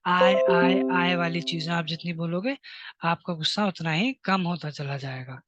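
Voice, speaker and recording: Male teacher slowly dictating to children. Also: on the high side, dull audio. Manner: slow, dictating phrases for students to repeat. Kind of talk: classroom lesson to children.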